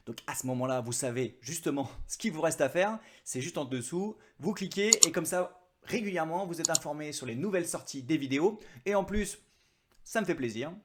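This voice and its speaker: A man's voice: a little high, animated, a little fast, noisy background. Chatty French book vlogger, man. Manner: chatty, self-mocking asides. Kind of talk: casual book review vlog.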